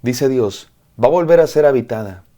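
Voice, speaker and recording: A man's voice: mid-range voice, lively intonation, moderate pace, mellow. A man, a pastor, preaching a devotional sermon, repeating phrases in rhythmic lists and speaking straight to the listener.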